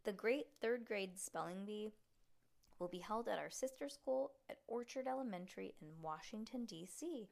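A woman voicing a patient male grade-school teacher from a children's storybook, speaking in a measured, instructive way. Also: mid-range voice, lively intonation, vocal fry, darkish tone. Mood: encouraging.

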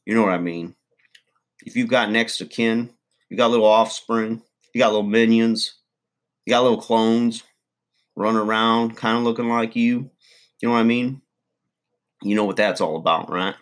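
A man's voice: on the low side, steady tone, moderate pace, pauses often, close to an everyday voice. A man playing a crude, boastful middle-aged redneck uncle, rambling folksy advice in a comedy monologue.

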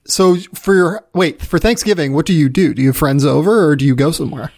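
Higher-pitched man with a creaky voice. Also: a little fast, darkish tone. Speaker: sports podcast host. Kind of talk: casual sports podcast chat.

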